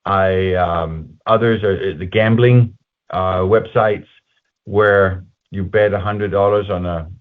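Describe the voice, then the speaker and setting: A man presenting company results on a conference call in a halting, conversational, explanatory way, as an executive speaking to investors. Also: sits low, fairly even intonation. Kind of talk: semi-scripted earnings call presentation. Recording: muffled phone-like conference call line.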